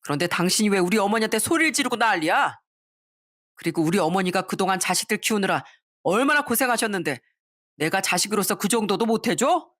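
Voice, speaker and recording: An angry young husband, as a woman puts him on, argues in a loud, defensive bluster. He shouts back as if wronged and refuses to back down. This is storybook drama read aloud. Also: mid-range voice, animated, a little fast, no room sound, clean studio sound. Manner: shouting, indignant.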